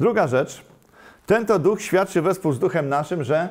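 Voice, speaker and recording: Vocal fry runs through this voice as it moves at a moderate pace with very wide pitch swings. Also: man. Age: old. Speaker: preacher. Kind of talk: sermon. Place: church. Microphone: podium.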